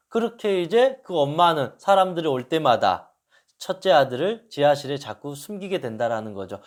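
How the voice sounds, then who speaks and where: Guy giving a healing lecture, fairly high voice, talks w/ lots of ups and downs. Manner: explanatory, acts out quoted voices. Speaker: counselor and lecturer on inner healing. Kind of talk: spoken lecture with storytelling.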